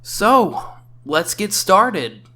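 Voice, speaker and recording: Wry, animated male game reviewer. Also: sits high, very slow. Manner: wry, sarcastic. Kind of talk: scripted comedic commentary.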